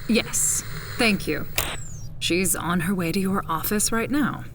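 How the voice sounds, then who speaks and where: Formal authoritative official, slightly distant. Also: female voice, lowish voice, takes it slowly, creaky, background noise. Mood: measured, guarded. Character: formal, measured woman dignitary, polite and authoritative. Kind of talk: audio fiction drama acting.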